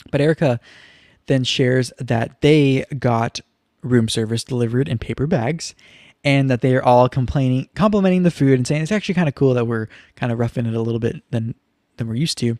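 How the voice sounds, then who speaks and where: Here is a man with a plain, everyday voice, medium in pitch. He talks at a fairly quick pace, and the sound is dry and close with no echo. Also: ordinary pitch variation. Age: 20s. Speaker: YouTube reality TV recap host. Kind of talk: solo livestream recap commentary. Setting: live YouTube stream.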